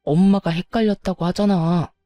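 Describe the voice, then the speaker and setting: A woman's voice: on the low side, steady tone, moderate pace, dark tone, no room sound, faint music behind, close to an everyday voice. A woman doing an exasperated husband. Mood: scolding. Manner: scolding, frustrated.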